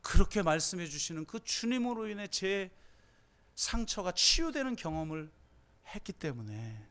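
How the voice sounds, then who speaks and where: A middle-aged man preaching a sermon as pastor, telling stories emotionally, moving from hushed tones to impassioned pleas. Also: high voice, sing-song, normal speed.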